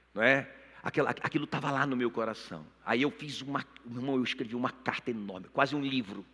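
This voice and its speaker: A man preaches in a bright, ringing voice, his words trailing off into the long echo of a church auditorium. He is middle-aged and tells his own story with deep feeling, often calling out to the people in front of him. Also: husky. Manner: emotional storytelling, repeatedly addressing the congregation. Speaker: pastor. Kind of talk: sermon with personal testimony. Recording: long reverb of a church hall.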